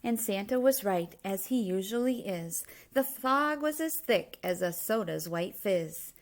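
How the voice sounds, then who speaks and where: A woman reading a children's picture book aloud, with measured, expressive storytelling in rhyme. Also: medium pitch. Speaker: story reader.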